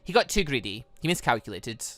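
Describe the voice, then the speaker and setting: A man voicing a calm, teasing, all-knowing warrior mother from a visual novel, telling lore in a patient, measured way. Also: mid-range voice, no echo, voice pushed down. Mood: solemn storytelling.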